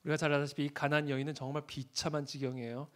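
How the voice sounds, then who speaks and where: A middle-aged man preaching a sermon as pastor, swinging from hushed asides to shouted scripture readings. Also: fairly high pitch, flat delivery, rapid-fire.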